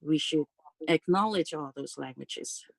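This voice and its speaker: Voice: medium pitch, a little slow, gravelly, no room sound. A board trustee speaking up at a public meeting over a video call, earnest and insistent, repeating key phrases.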